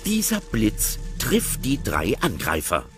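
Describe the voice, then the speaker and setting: A man narrates an audio drama in a lively storytelling way. His voice is low but very animated. Music plays clearly underneath. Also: slow pace.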